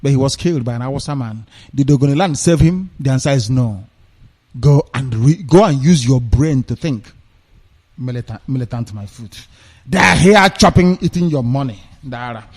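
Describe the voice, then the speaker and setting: A man's voice: medium pitch, animated, moderate pace, darkish tone, long reverb tail. A man with a Nigerian accent on a radio broadcast. He reads news items aloud and breaks off into scornful, mocking commentary full of rhetorical questions.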